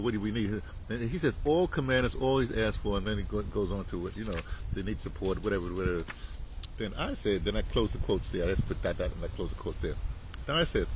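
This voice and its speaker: Man in his seventies, casual rambling monologue, lively swooping pitch, slang, faint noise behind. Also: rough recording. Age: 70s. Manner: rambling, chuckling, uses black slang. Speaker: commentator.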